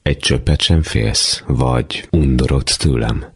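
A man reading aloud voices a quiet, brooding young man in a low, subdued tone. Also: gravelly, husky, exaggerated voice.

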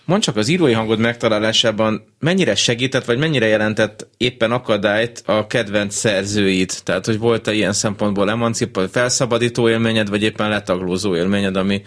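A man's voice: fairly low pitch, hardly any pauses, fairly bright tone. A man hosting a radio interview, asking long, elaborate literary questions. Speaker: radio host. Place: radio studio.

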